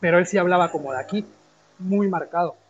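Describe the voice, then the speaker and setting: A man's voice: high-pitched, quick pace, highs cut off. A man with a Mexican accent chatting casually and telling personal anecdotes in informal, slangy speech.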